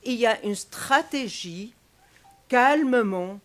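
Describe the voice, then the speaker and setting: A woman's voice: a little high, animated, slow pace, a little hiss or hum. A Syrian-born woman speaking from the audience at a press panel, hesitant with many fillers and growing heated. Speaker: audience member. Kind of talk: impassioned statement at a press panel.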